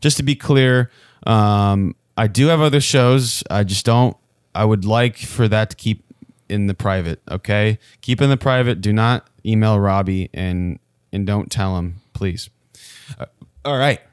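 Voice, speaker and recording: A man's voice: lowish voice, unhurried, smooth, no room sound, clean studio sound. A man co-hosting a comedy podcast, talking in a hesitant, filler-heavy, mock-defensive way. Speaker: podcast co-host. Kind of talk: casual comedic podcast banter.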